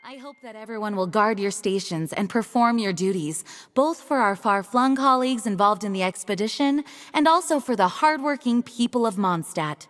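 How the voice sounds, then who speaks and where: A woman playing the calm, authoritative acting leader of a knightly order, speaking formally, in a game. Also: medium pitch, normal speed, hardly any pauses, natural voice. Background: game music.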